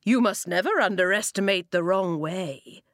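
A woman's voice: medium pitch, moderate pace, a bit bright, no room sound, clean studio sound, natural voice. A woman voicing a dramatic stone man who becomes a giant, wailing and theatrical. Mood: booming.

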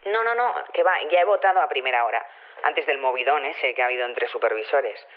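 A woman's voice: a bass voice, animated, fairly quick. An actress playing an opinionated, chatty woman in charge of a community, talking emphatically and repeating herself over a telephone in an audio drama. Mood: pleased, chatty. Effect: telephone filter. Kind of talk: improvised-sounding phone interview in audio drama. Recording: thin phone-line sound.

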